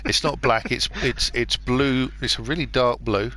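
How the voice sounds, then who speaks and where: A man with a bright, forceful voice co-hosts an online race broadcast, cracking jokes and laughing easily. The pitch sits in the middle range, with faint noise behind him. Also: steady tone, normal speed. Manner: jokey, laughs often. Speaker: race commentator. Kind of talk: casual sim-racing commentary.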